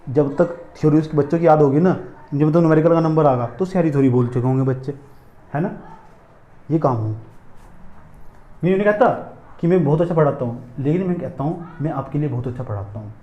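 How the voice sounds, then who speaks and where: Fast-talking male physics teacher, echoey room. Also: a little high, dark tone, highs cut off. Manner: repetitive, drilling questions to students. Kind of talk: classroom lecture. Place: classroom.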